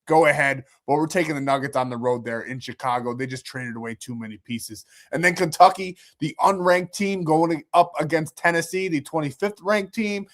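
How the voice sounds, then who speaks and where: A man's voice: a little high, normal speed, few pauses, fairly bright tone. Sick-sounding man hosting betting picks. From New York. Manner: rambling, confident, self-correcting. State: sick, losing his voice. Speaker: sports betting channel host. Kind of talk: casual betting picks talk.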